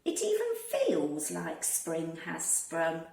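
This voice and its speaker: A woman voicing an eager, excitable rabbit in a children's storybook, with exclamatory, drawn-out delivery. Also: deep voice, creaky, exaggerated voice. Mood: joyful, excited. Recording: roomy, distant microphone.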